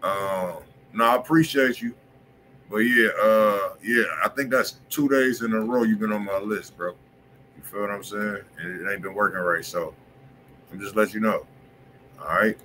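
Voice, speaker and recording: A man's voice: fairly low pitch, moderate pace, sharp tone, slight background noise, low-quality recording. A man hosting a music review livestream in casual, slangy talk, often checking in with his listeners. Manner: laid-back slangy talk, keeps asking "you feel me". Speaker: music review show host. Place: indoor home music studio room.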